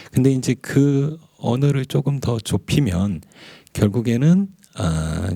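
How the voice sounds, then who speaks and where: A man's somewhat breathy, dark and mellow voice swings very widely in pitch, with a dry, close sound with no echo. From South Korea, Jeolla (Jeongeup, North Jeolla). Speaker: novelist. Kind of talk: public lecture. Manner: hesitant, many fillers.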